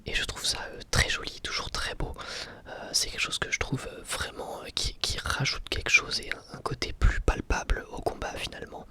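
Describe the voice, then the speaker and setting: A man whispers breathily in an ASMR commentary, informal and enthusiastic like a fan. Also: normal speed. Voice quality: breathy, mostly unvoiced whisper. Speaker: ASMR channel host reviewing anime.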